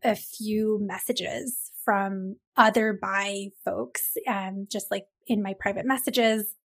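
The recording is very clean against a silent background. A woman talks. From French Canada. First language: French. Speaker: psychotherapist and dietitian. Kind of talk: interview.

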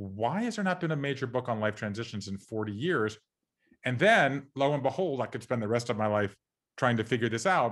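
The speaker talks at a fairly quick pace with an American accent and lively intonation in a plain, everyday voice. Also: man, medium pitch for a man, quiet background. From US South, Savannah, Georgia. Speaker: author and speaker. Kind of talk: interview. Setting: remote call.

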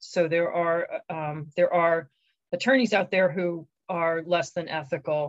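A woman speaks in an ordinary speaking voice, fairly low in pitch. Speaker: nonprofit volunteer leader. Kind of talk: casual interview chat. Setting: office.

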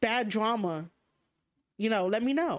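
An American accent comes through. There is quiet behind the voice. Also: woman. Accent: New York accent, called thick by chat. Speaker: wrestling podcaster and streamer. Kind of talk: solo live-stream podcast commentary. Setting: live stream. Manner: casual with many fillers.

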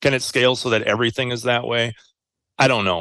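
A man talks at a very fast pace. He has a Midwestern American accent. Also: quiet background. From US Midwest, northern Iowa. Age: 40s. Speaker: farmer. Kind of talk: interview. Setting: remote call from his sunroom. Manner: halting, many fillers.

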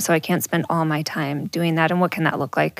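In a dry, close sound with no echo and a very clean recording with a silent background, a woman speaks at a fairly low pitch with monotone, flat intonation. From California. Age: 40s. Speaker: hairstylist and salon owner. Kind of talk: casual interview conversation.

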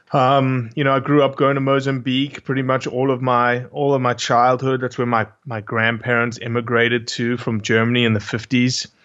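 A man with a South African accent at a moderate pace, medium pitch, hardly any pauses, and a monotone, flat intonation. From South Africa, Johannesburg. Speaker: hunter and researcher. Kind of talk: podcast interview. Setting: phone call.

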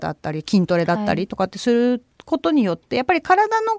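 The sound is dry and close, without any echo. A woman talks very fast. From Saitama, Japan. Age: 30s. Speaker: choreographer. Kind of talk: casual radio interview.

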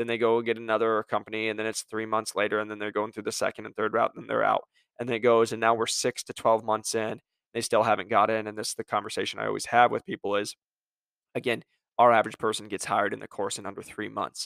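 A man of medium pitch talks at a very fast pace. The sound is dry and close, with no echo. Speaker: podcast host, medical device sales rep. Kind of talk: solo podcast monologue. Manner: animated.

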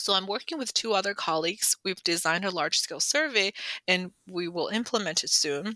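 A woman with an American accent speaks at a fairly quick pace in medium pitch, an unremarkable speaking voice with lively intonation and a dry, close sound with no echo. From China, then US from age eight. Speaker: sociologist and author. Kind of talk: interview.

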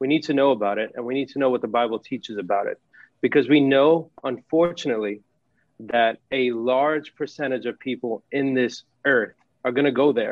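Talking at a fairly quick pace with ordinary pitch variation, a man speaks with an American accent. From New Jersey / Brooklyn. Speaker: seminary student, co-host of a Bible podcast. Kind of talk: interview conversation.

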